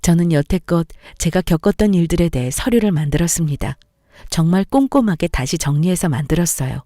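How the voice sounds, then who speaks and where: A woman tells her own story as scripted narration, in an even, confessional manner. Her voice is warm and mellow, with no brightness. The sound is dry and close to the mic. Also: lowish voice, fairly quick, no room sound.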